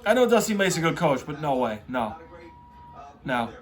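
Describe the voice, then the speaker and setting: A man talking like an excitable frat bro, hosting a casual, off-the-cuff sports reaction full of slangy asides. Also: fairly high pitch, moderate pace. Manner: excitable frat-bro talk, heavy on "bro" and "dude". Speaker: host reacting to a tournament bracket.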